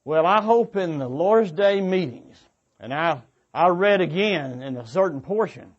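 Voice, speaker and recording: A man with a fairly high voice speaks as a church preacher, urging his listeners on in an earnest way. His delivery is a little halting, with phrases restated as he goes. The recording sounds slightly dull and muffled. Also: lively intonation. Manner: earnest, exhorting. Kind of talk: sermon-like exhortation to a congregation. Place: church meeting before a congregation.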